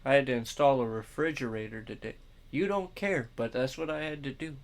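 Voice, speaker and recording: A man's voice: mid-range voice, quick pace, vocal fry. A young man co-hosting a casual podcast, rambling and stumbling over his words, swearing as he talks, short on sleep. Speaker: podcast co-host. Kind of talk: casual chat.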